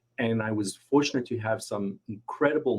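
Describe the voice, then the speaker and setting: This man speaks with a South African accent in a fairly low pitch. His pace is moderate. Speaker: marketing professor. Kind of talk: podcast interview.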